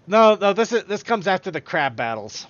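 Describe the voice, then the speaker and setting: A high-voiced man hosts a podcast, rambling through casual chat and tripping over his own words. The sound is dry and close, with a slightly dull, lo-fi tone from a stream. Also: very animated, moderate pace, a bit bright, no echo. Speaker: podcast host.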